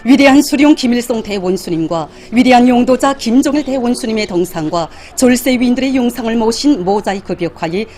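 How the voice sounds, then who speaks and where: High-pitched North Korean woman news announcer. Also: lively intonation, a little fast, hardly any pauses, darkish tone. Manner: solemn, reverent, emphatic declamation. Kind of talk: formal scripted news narration.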